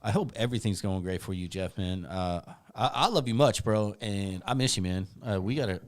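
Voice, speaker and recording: A low-pitched man talks easily on a DJ podcast, relaxed and quick to laugh, dropping "man" and "bro" as he goes. His voice sits deep and heavy through a processed studio microphone. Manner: laid-back, laughs often, says man and bro. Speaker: DJ and podcast co-host. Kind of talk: casual chat.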